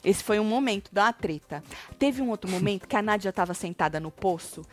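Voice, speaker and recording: A woman with a Brazilian Portuguese accent casually recapping reality-show drama, acting out quotes in an animated way. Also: medium pitch, a little fast, soft background music. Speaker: show commentator.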